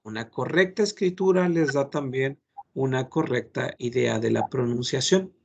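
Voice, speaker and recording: A man's voice: mid-range voice, normal speed, gravelly, slightly rough, muffled recording. A man, a French teacher lecturing his class in an earnest, admonishing way, giving many examples.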